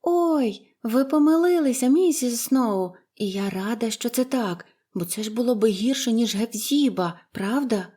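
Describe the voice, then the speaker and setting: A woman's voice: lively intonation, measured pace, hardly any pauses. A woman voicing a cheerful, chatty young orphan girl who talks eagerly and gushes in a storybook reading. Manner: eager, gushing, high and bright.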